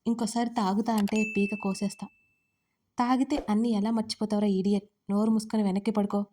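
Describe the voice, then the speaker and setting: A woman voicing a fierce yet loving young wife who scolds sharply and presses hard, in a mellow voice. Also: medium pitch, flat delivery, fairly quick, slight background noise, lightly acted. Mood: scolding. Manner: sharp scolding, then pleading.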